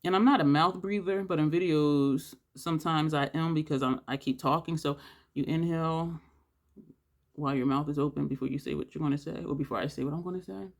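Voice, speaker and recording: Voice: mid-range voice, fairly quick, vocal fry. A beauty vlogger chatting casually through a makeup tutorial, thinking aloud as they work, sounding congested with audible breaths between phrases. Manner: rambling, thinks aloud while working.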